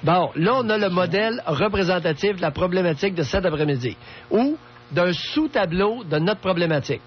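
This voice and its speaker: A man's voice: high-pitched, lively intonation, brisk, soft background music. A man with a Quebec French accent hosting a radio phone-in, speaking in a blunt, lecturing manner. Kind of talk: conversational phone-in counselling. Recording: dull lo-fi radio recording.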